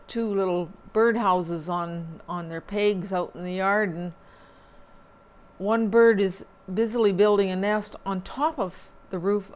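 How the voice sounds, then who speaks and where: A woman with a fairly low voice reads local newspaper items aloud at a measured pace, making small slips and dropping in dry asides.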